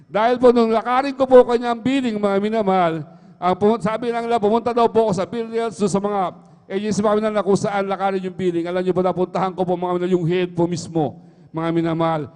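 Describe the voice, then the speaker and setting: High-pitched yet darkish and clean, a middle-aged man's voice holds a steady tone as he talks fast through an earnest testimony at church. He addresses the congregation as "mga minamahal" again and again. The church hall livestream has a long reverb.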